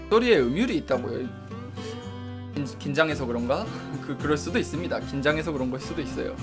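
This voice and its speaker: A man's voice: a little high, expressive, fast talker, music in the background. A man streaming live, reasoning aloud about reviewing novels, often stopping to correct himself and answer chat. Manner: reads and answers viewer chat; says he doesn't use a dialect.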